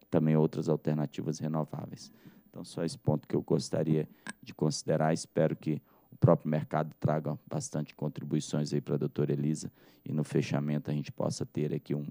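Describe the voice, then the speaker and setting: A Brazilian man with a Brazilian Portuguese accent, an agency director giving measured formal remarks over a video call, repeating phrases and restarting often. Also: extremely low pitch, mellow, dry recording.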